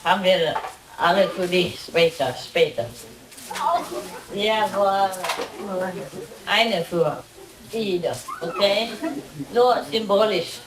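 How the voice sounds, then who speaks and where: Leading a gathering, a spiritual teacher speaks informally to the group; she is not a native German speaker and has a foreign accent, using short, simple phrases she often repeats. Her mid-range voice moves slowly with long pauses, and the distant, echoey recording picks up background noise and the surrounding crowd.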